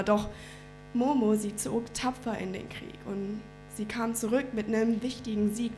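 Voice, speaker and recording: A woman's voice: a little high, darkish tone. A young woman performing a rhymed slam poem on a small indoor stage at a stand mic, earnest and rhythmic, sometimes sinking to a near-whisper. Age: young adult. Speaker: slam poet. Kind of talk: rhymed spoken-word performance.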